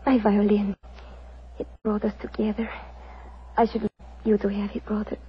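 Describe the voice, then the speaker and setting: An actress playing a dying gypsy fortune-teller, speaking faintly and solemnly in a 1940s radio drama style. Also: female voice, medium pitch, little pitch movement, close to an everyday voice. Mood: tender farewell. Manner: solemn, halting, formal phrasing. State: faint, dying, occasional coughing. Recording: dull old radio recording with faint noise.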